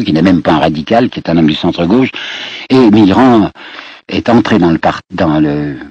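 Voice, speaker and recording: A very deep, husky-voiced man lecturing on history, talking straight to his listeners and often stumbling over repeated words as he goes. The sound is dry and close, on a dull, muffled old radio recording. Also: darkish tone, no room sound. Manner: storytelling, addresses listeners directly, repeats words as he searches.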